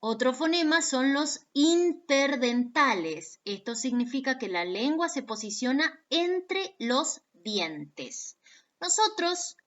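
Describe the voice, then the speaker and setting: A woman's voice: sits high, expressive, slow, highs cut off. A woman from Argentina with an Argentine accent, giving a recorded phonetics lesson and patiently sounding out examples for her students. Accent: Argentine Spanish. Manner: patient, demonstrates sounds aloud, addresses students directly. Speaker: phonetics teacher. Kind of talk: recorded video lecture.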